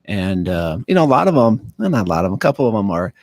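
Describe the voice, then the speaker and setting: A man with a fairly low voice speaks as a guest in a radio studio, searching for words with frequent "uh"s and restarts. The sound is dry and close on a studio microphone. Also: sing-song, a little mellow, no room sound. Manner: halting, many fillers and restarts. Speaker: county veterans affairs officer, studio guest. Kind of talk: casual radio interview.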